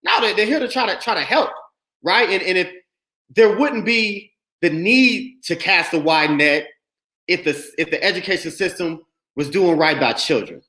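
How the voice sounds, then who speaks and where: A man's voice: high voice, moderate pace, roomy sound. A man from Indianapolis hosting a podcast, talking in a casual, emphatic and outspoken way. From Indianapolis, USA. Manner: emphatic, animated, speaks his mind. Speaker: podcast host.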